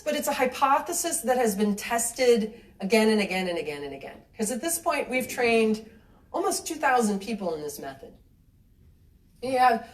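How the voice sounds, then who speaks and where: A woman giving a live talk to an audience, chatty and animated, acting out little quoted exchanges and laughing lightly as she talks. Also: a little high. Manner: laughs lightly mid-sentence. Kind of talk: live lecture with audience questions. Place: cinema venue with an audience. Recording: roomy hall sound from a distant mic.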